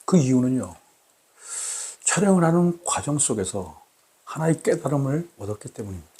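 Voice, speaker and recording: A man hosting his own channel, talking to camera in a formal, deliberate way with many repeated rhetorical questions. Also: mid-range voice, big pitch swings, mellow. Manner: repetitive, emphatic rhetorical questions. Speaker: channel host. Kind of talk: solo talk to camera.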